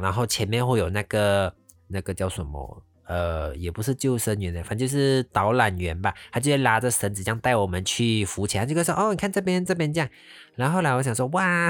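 Animated man telling a story. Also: lowish voice, no echo. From Malaysia. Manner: animated, mixes English words into Mandarin, drawn-out exclamations. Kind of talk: casual storytelling.

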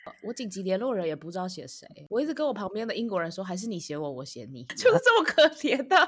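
A young woman tells chatty stories with a lot of expression, her pitch swinging widely. She talks quickly and drops jokes into the conversation as it goes. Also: sing-song, fairly bright tone, slightly rough. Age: young adult. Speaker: podcast co-host. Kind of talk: casual storytelling chat.

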